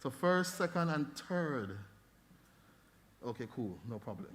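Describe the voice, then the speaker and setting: A middle-aged Jamaican man giving feedback as a debate judge, animated and fond of demonstrating voices as he coaches. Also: mid-range voice, unhurried. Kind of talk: feedback speech to an audience.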